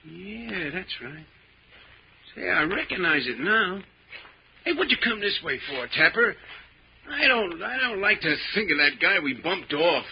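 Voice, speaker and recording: Muffled old radio crime drama. a nervy small-time crook, high-voiced, griping in whiny underworld slang, with pitch that jumps about. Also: male voice, sing-song, a little slow, gravelly, slight background noise, full character voice. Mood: nervous. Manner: slangy, whining tough-guy talk. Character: jittery, complaining small-time crook, ex-convict sidekick. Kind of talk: 1940s radio crime acting.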